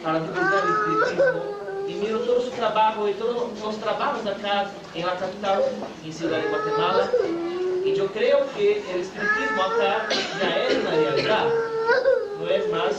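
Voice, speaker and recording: A man's voice: very high-pitched, sing-song, normal speed, highs cut off. A Brazilian man speaking Spanish as a second language, answering earnestly as a radio interview guest, with some hesitant restarts. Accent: Brazilian Portuguese. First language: Portuguese. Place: school hall during an anniversary event. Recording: echoey room from far off, loud noise.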